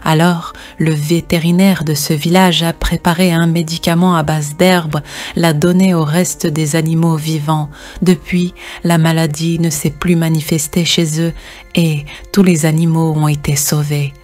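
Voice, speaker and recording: A woman voicing a sober, knowing sow in a cartoon fable, explaining things in a measured way. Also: low voice, little pitch movement, darkish tone, faint music behind. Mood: grave, informative. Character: sober, knowing adult female pig advising the herd.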